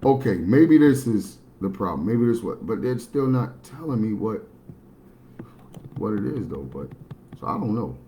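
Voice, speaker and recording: Blunt baritone man speaking matter-of-factly. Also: very animated, a little slow, dark tone, slight background noise. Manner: blunt, matter-of-fact, rambling with restarts. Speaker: livestream host. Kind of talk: casual livestream monologue.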